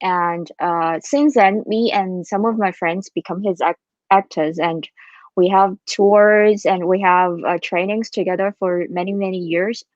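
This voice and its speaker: A woman's voice: lowish voice, steady tone, unhurried, dry recording, muffled recording. A woman actor from Hong Kong telling how she joined the company, speaking steadily in an interview. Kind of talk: casual interview talk.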